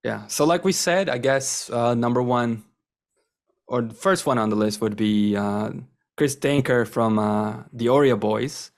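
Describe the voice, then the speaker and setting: A young man whose first language is Turkish talks as an interview guest. He rambles with plenty of fillers and sounds enthusiastic. His voice sits at an ordinary middle pitch. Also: a little slow. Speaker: guest, wrestling content creator. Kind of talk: casual interview conversation.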